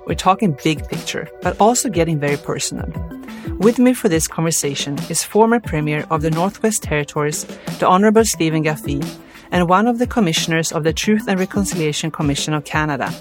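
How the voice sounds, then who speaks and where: A woman from Sweden with a Swedish accent, hosting a podcast in a measured, clear way. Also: low voice. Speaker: podcast host. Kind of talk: scripted intro and interview questions.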